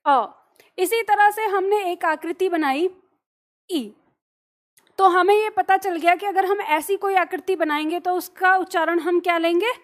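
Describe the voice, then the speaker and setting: A woman's voice: extremely high pitch, unhurried. A woman teaching a Hindi grammar class, explaining patiently with everyday examples and asking questions that she then answers herself.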